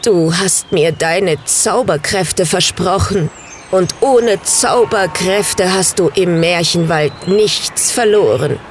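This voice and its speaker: A woman croaking as a menacing black bird. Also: fairly low pitch, slight background noise. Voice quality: croaking, slow and threatening.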